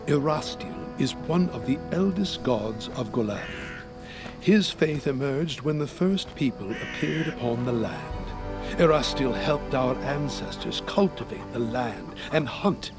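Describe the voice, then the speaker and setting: An actor voicing a devout, earnest man of faith in a video game, speaking in a formal, measured, preachy way. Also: mid-range voice, expressive, over music. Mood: devout, reverent. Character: devout, earnest man preaching an old rural hunting god. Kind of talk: scripted video game dialogue.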